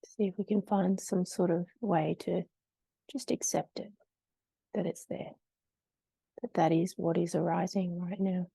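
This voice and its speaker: A woman leading a guided meditation in a gentle, soothing, unhurried way with long pauses between short phrases. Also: on the low side, level tone, vocal fry, husky, no room sound, poor audio.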